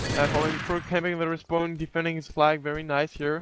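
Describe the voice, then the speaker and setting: With a non-native accent, a man speaks fairly quickly at a fairly high pitch in a monotone, flat intonation, against noticeable background noise. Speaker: esports shoutcaster. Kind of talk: live commentary. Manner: halting, many fillers.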